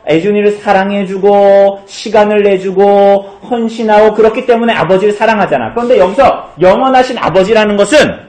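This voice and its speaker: Lively pastor asking children questions. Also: male voice, high voice, echoey room. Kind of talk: children's sermon. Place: church.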